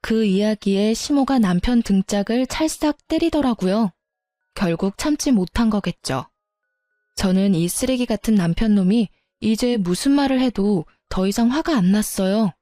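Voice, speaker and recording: A woman narrates a true-life family story in a colloquial, indignant way. Her voice is dark and mellow, recorded dry and close. Quiet music runs in the background. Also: medium pitch, normal speed, no room sound.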